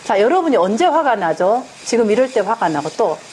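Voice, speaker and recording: A woman's voice: a little high, brisk, a little hiss or hum. A woman teaching a parenting class, lecturing to a room of parents and asking them rhetorical questions. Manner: animated, asks the audience rhetorical questions. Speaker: parenting education instructor.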